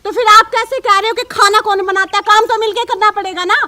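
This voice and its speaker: A woman playing a sharp-tongued young police officer who is also a daughter-in-law. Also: extremely high pitch, steady tone, fairly quick. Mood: stern. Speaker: police officer in a comedy telefilm.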